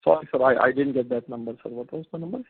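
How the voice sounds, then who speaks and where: A man asking questions as an analyst on a conference call, polite and halting, often repeating words. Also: medium pitch, breathy edge, no echo. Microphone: phone handset. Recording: tinny narrow phone line.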